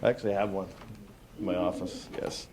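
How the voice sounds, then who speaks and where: A man's voice: low voice, steady tone, fairly quick, a crowd in the background. A man reading a children's storybook aloud as a police officer, chatting informally with his young listeners between lines. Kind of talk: casual picture-book reading with asides. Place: room with an audience of children. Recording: noisy live room recording.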